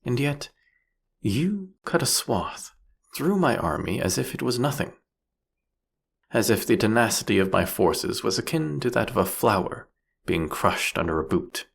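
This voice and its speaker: A man playing a captured vampire king in an audio roleplay, sardonic and silkily menacing, with a husky, gravelly voice and theatrical, taunting phrasing. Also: lowish voice, big pitch swings, full character voice. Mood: grudging admiration. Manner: theatrical, mocking, drawn-out, teasing phrasing. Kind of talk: scripted audio roleplay monologue addressed to the listener.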